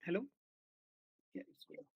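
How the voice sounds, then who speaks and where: A software engineer walks his team through a bug during a video-call work meeting. His speech is halting and full of fillers and restarts. The recording is dry, with dull lo-fi call audio.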